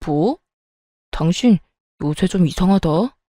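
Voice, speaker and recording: A woman's voice: lowish voice, expressive, slow pace, warm tone, no echo, clean studio sound. A woman voicing a stingy, selfish young husband who lectures coldly and curtly. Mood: dismissive. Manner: curt, lecturing.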